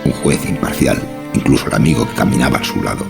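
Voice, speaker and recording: A man's voice: rumbling low, fast. A man narrating a scripted horror story. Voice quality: gravelly. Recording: music behind the voice.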